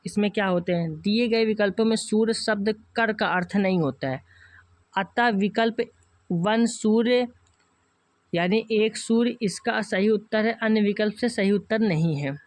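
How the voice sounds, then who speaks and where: Hindi-speaking teacher walking through exam questions. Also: male voice, high voice, no room sound. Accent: Hindi, north Indian. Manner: addresses viewers as friends, walks through each option repeatedly. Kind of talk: online class lecture.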